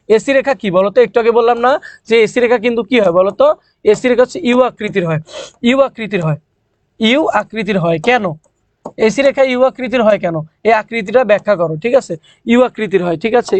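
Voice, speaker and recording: A young man from Bangladesh teaching an economics class, talking fast, repeating key points and quizzing students as he works through the numbers. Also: very high-pitched, no echo. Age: young adult. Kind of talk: online class lecture.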